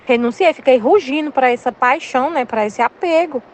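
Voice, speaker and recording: A woman's voice: high-pitched, normal speed, a little hiss or hum. A woman in her thirties with a Brazilian Portuguese accent, leading a Catholic study and candidly sharing a personal faith testimony in casual spiritual reflection. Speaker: Catholic study group leader.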